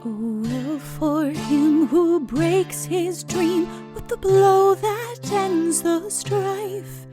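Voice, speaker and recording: A woman singing a slow ballad as part of a dramatic audiobook reading. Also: very high voice. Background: plucked guitar accompaniment.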